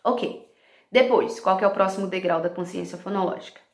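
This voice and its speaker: A woman's voice: medium pitch, brisk, reverberant. A woman teaching other teachers about phonological awareness. She explains step by step, checking in with "ok?" and using English words along the way.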